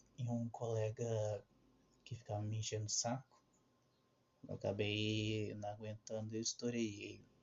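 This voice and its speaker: Soft-spoken and somewhat breathy, a man talks at a fairly low pitch and fairly slow pace with flat, monotone intonation and long, frequent pauses. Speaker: vtuber. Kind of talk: personal vent monologue.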